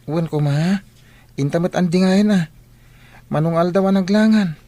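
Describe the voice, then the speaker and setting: A man's voice: sits high, normal speed, mellow, dry recording, close to an everyday voice. A man playing a concerned teenage schoolboy friend in an audio drama, earnest and persuasive. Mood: urging. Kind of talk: Ilocano radio-style drama acting.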